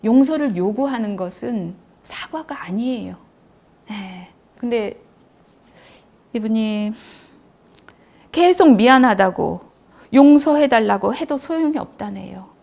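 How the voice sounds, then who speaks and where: A woman hosting a counseling talk, explaining in a firm, measured way and dropping to a near whisper at times. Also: a little high, animated, creaky, darkish tone. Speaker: counselor and channel host. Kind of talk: advice talk on parenting.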